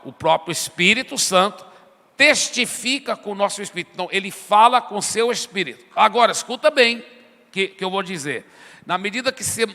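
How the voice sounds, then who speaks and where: Male pastor, high bright voice, conversational sermon, church hall echo. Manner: conversational preaching, acts out prayers and dialogues. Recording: long hall reverb.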